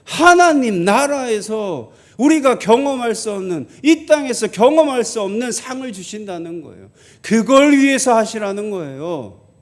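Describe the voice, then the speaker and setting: A male pastor preaching a sermon, asking rhetorical questions and answering them himself, repeating lines for emphasis, at times dropping to a soft plea. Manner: drops to a soft, low voice for pleading.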